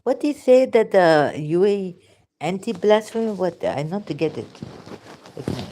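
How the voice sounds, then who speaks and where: A woman's voice: on the low side, very animated, normal speed, dark tone. A woman with a Pakistani accent giving rambling, sarcastic religious commentary in broken English. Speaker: vlogger.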